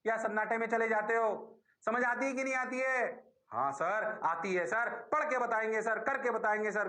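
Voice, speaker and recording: A middle-aged man with a Rajasthani accent teaching physics in an online class, lively, answering his own questions in the students' voice. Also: high voice.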